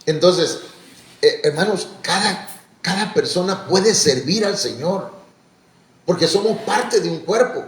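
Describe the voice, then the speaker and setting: A man's voice: sits high, lively intonation, a little slow. A man preaching a conversational sermon, folksy and full of asides, rising when he urges listeners to serve. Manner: folksy, storytelling with asides and restarts; exhorting, rising on calls to serve. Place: church. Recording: echoey church recording.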